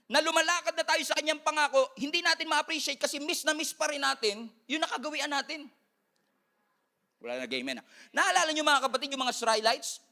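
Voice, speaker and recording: Filipino man preaching a sermon, high voice, bright tone, animated, calls out for amens. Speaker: pastor.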